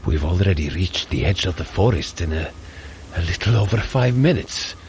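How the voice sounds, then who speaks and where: A man's voice: low-pitched, expressive, moderate pace, a little mellow. A blustering, protective warrior god with a lofty, heroic manner. He speaks in an audio drama, with noisy ambience behind him. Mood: gruff, watchful.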